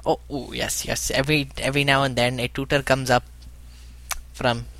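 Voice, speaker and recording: A man's voice: medium pitch, level tone, moderate pace, fairly bright tone, dry recording. A man co-hosting a comedic podcast, playful and agreeable, often repeating his words. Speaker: podcast co-host.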